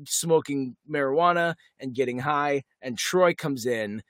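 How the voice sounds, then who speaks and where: A man co-hosting a podcast, recapping a TV episode in casual chat, animated and quick with asides. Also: medium pitch, no room sound, clean studio sound. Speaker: podcast co-host.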